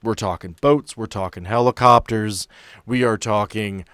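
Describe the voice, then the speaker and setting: A man working as game master, narrating a tabletop roleplaying podcast in measured, dramatic storytelling with drawn-out phrases. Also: fairly low pitch, fairly bright tone, smooth, dry recording, studio quality.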